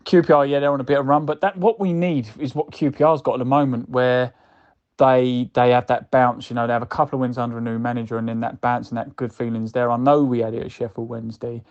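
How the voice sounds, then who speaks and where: Muffled lo-fi voice note, bloke with mid pitch rambling casually about football, chatting straight to the listener. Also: male voice, little pitch movement, fast, darkish tone. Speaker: fan calling in with a voicemail. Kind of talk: casual match reaction monologue. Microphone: recorded voicemail message. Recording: dull lo-fi voice message.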